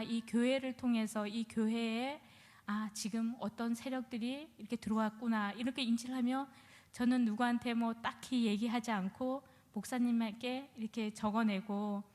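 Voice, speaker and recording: A woman giving a personal testimony as a former shaman, telling her story in an animated way and acting out her own past words. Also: fairly high pitch. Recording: long hall reverb.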